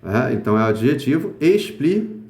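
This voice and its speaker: A man's voice: medium pitch, very animated, quick pace, gravelly, a little mellow, echoey room. A man teaching a casual grammar lesson, slangy and informal, checking understanding with constant tag questions and hesitant fillers. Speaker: Portuguese teacher.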